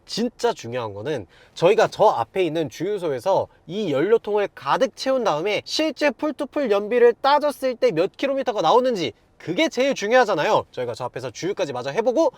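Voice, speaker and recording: Lively high-voiced man reviewing a car. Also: brisk, hardly any pauses, no echo. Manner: chatty and explanatory, breaks into excited exclamations. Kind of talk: casual test-drive commentary. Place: inside a car on a road trip.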